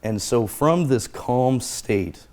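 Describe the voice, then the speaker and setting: Low, mellow-voiced man explaining calmly. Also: normal speed. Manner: earnest, explanatory, fond of repeating key phrases. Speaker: guest therapist. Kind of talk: conversational explanation.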